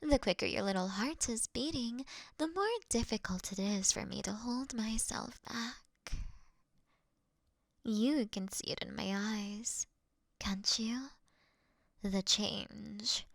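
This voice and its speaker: Slow, breathy vampire mistress, played by a woman. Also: a little high, no room sound, clean studio sound, heavily acted. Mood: hungry, seductive. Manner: breathy, often whispered, refined and unhurried. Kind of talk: intimate roleplay audio drama, ASMR-like.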